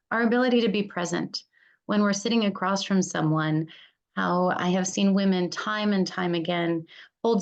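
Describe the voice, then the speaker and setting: A woman's voice: mid-range voice, creaky. A woman lawyer giving an earnest acceptance speech, laying out her points one by one. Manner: earnest, listing points deliberately. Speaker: award recipient, employment lawyer.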